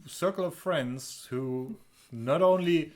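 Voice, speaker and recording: Soft-spoken deep-voiced man. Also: slow pace. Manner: soft-spoken, hesitant restarts. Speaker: co-host. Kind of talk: casual board game chat. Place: living room couch, indoors.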